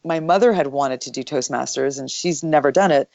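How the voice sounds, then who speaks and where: A woman voice actor being interviewed, explaining her craft thoughtfully, her voice still deep from the morning. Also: a little fast, vocal fry, dry recording, muffled recording. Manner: thoughtful, explanatory, with soft laughs. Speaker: voice actor guest. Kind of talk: interview answers.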